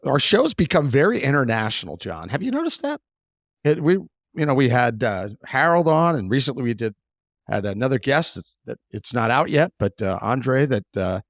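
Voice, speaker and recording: A man in his sixties co-hosting a podcast, talking in a chatty, animated way that often trails off. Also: mid-range voice, no echo, studio quality. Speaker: podcast co-host. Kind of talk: casual podcast chat.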